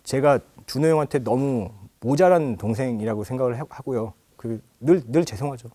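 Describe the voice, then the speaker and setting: A man's voice: mid-range voice, moderate pace, no room sound. A man in his forties telling anecdotes in an interview, acting out the people he quotes. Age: 40s. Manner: lively storyteller acting out quoted voices. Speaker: dancer interviewee. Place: interview studio.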